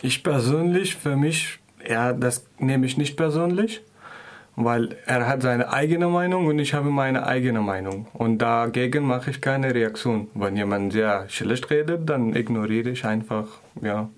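A man's voice: mid-range voice, measured pace. A man from Afghanistan, a guest in an interview telling of his own experiences in a hesitant way, searching for words in a learned language. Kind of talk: casual personal account.

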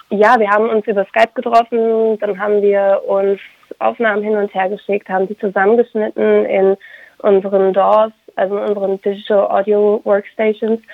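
A young woman, a Ukrainian native speaker from Germany, giving thoughtful interview answers as a singer and violinist, pausing to search for words. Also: mid-range voice, dry recording. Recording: dry, tinny phone-like line.

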